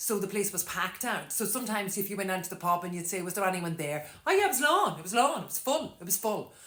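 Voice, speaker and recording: A woman with an Irish accent speaks with ordinary pitch variation over noticeable background noise. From Ireland. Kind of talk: casual talk to camera. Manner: fast.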